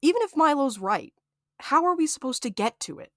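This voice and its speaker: A woman's voice: high voice, very animated, brisk, a bit bright, no echo. A woman acting a sarcastic, anxious, grumbling reluctant explorer in a naturalistic audio drama, with a dry, complaining delivery. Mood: sarcastic, irritated.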